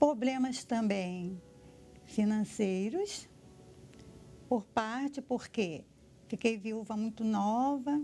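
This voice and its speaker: Music plays in the background as a woman with a fairly high pitch speaks at a very slow pace. Her pitch variation is ordinary, and long, frequent pauses mark her speech. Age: 70s. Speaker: church member. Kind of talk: testimony.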